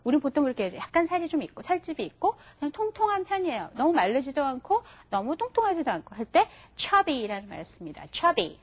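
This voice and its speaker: High, lively woman teaching a class. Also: fast talker, few pauses. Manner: patient, chatty, models words for students to repeat. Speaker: English teacher. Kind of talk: classroom lesson for adult learners. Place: TV studio classroom.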